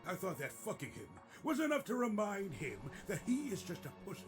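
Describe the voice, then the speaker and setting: Sneering game villain, smug, drawn-out, swooping pitch, music behind. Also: male voice, huge pitch swings. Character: cold, mocking male villain, middle-aged. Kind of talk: video game cutscene acting.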